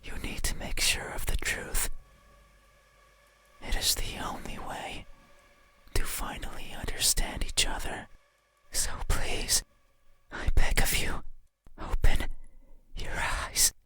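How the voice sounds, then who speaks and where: A performer voicing a menacing, pleading demon in a horror game, whispering slowly, intimately and insistently in an ASMR style. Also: bright, forceful tone. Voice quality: breathy unvoiced whisper. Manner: slow, deliberate, intimate, insistent.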